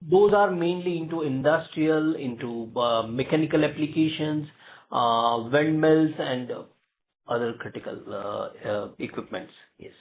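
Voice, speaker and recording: An Indian man, a company executive, answering questions on an earnings call in halting phrases with repeated fillers. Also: a little high, a little hiss or hum. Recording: narrow, tinny phone conference line.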